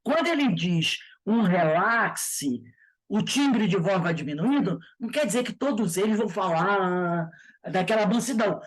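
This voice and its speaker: A woman teaching an informal spiritist study class, reading passages from a book and explaining them conversationally, often asking "né?" and slowing down to stress key words. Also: medium pitch, animated. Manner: conversational, with frequent tag questions.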